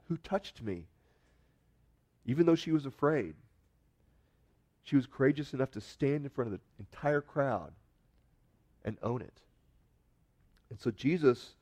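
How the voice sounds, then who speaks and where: A man preaching a sermon, telling a story with expressive swells of emphasis and dramatized quotes. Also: mid-range voice. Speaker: pastor.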